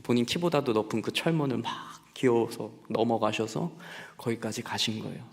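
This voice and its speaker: A man's voice: mid-range voice, a little fast, gravelly. A young adult man preaching to a congregation in a conversational, storytelling way and asking them questions. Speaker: pastor. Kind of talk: sermon. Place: church sanctuary. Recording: long reverb of a church hall.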